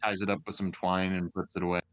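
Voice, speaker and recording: A man's voice: low-pitched, little pitch movement, fast talker. A man playing a tabletop game, casually thinking aloud as he describes what his character does.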